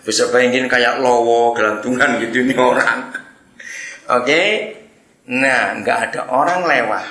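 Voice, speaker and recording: A male preacher telling an illustration story during a sermon, animated and acting out voices and sound effects. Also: mid-range voice, unhurried, reverberant.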